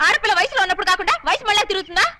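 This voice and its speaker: An actress playing a headstrong young woman prisoner in love, who talks in a fast, pleading, melodramatic way. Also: very high voice, animated, a little hiss or hum, exaggerated voice. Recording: film soundtrack with loud music.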